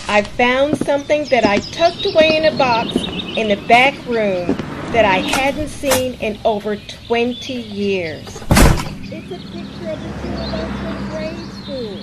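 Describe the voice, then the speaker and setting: A high female voice of an actress plays a friendly, house-proud woman in an audio drama. She is chatty and polite, with noisy birdsong ambience behind her. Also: lively intonation, slow.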